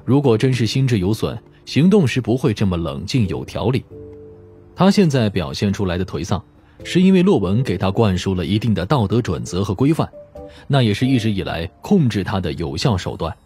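A man's voice: lowish voice, very animated, a little fast, dark tone, soft background music. A man narrating a novel in a scripted, dramatic audiobook style.

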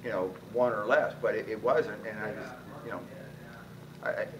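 A man in his sixties, a head football coach, answering at a post-game press conference, talking quickly with many restarts and repeated words. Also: on the low side, muffled recording, crowd noise. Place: press room with sponsor backdrop. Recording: distant mic, noisy press room.

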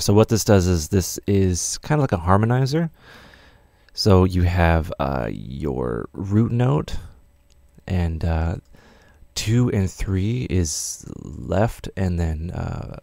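Male music production tutor, offhand and unpolished, very low register with plenty of vocal fry. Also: a little mellow, no room sound. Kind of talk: casual software tutorial narration.

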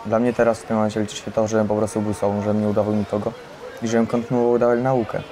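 A man's voice: fairly low pitch, level tone, rapid-fire, dark tone, some chatter behind. A young man speaking earnestly and candidly about himself, often adding tag questions. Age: teenager or young adult. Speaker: resident of a youth care centre. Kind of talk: candid personal testimony. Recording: faint background noise, ambience.

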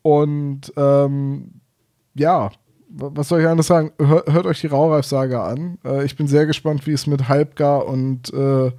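A man's voice: a little high, flat delivery, unhurried, dark tone. A man hosting a podcast, chatting casually in an interview and often searching for his words. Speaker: podcast host.

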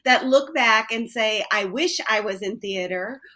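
Bright-voiced woman co-host asking questions. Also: on the high side, measured pace. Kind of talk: interview questions. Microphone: webcam on video call.

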